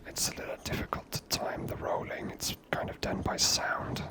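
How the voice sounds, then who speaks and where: Male ASMR gaming host: whispered, close-miked, unhurried murmured commentary. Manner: unhurried, murmured thinking aloud.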